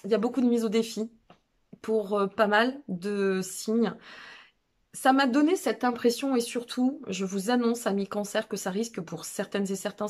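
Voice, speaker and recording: A woman's voice: mid-range voice, darkish tone. A woman with a Burgundian French accent chatting casually to her viewers as a channel host, digressive and self-mocking, repeating phrases for emphasis. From Burgundy, France. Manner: emphatic repetition to drive points home. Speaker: online guidance reader and channel host.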